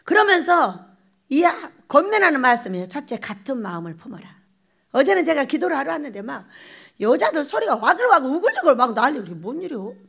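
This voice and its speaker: An older woman pastor preaching a lively storytelling sermon, acting out little exchanges and laughing as she goes. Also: high-pitched, fairly quick, creaky. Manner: animated, acts out quoted exchanges, laughs often. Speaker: pastor, head of a prayer retreat.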